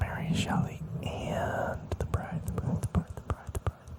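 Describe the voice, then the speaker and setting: Noticeable noise fills the background. Through it, a man whispers. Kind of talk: ASMR movie fact reading. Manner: whispered.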